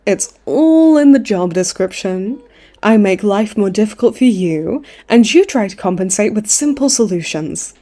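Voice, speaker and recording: Smug, mellow-voiced flirty villainess played by a woman. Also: mid-range voice, animated, a little slow. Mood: teasing. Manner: teasing, mock-sweet, theatrical taunting. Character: smug flirtatious female supervillain in her late twenties, hospitalized. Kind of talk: comedic audio roleplay acting.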